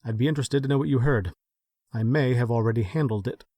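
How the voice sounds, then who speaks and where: Composed male office supervisor, audio drama, played by a man: courteous, mid-pitched, recorded dry. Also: fast, mellow, no room sound, close to an everyday voice. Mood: guarded, formal.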